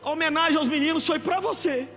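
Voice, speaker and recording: A middle-aged man with a Brazilian accent, preaching a dramatic, emotional sermon to a youth congregation, swinging from soft asides to shouting. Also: very high voice, fast. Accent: Brazilian Portuguese. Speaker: pastor. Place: large church hall with a youth congregation. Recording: long hall reverb with music behind.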